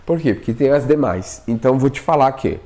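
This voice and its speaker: Casting: man, casual storytelling vlogger, animated, keeps asking and answering his own questions. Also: mid-range voice, brisk. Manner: animated, acts out his own past pleas, often asks himself "por quê?". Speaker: vlogger telling a personal experience.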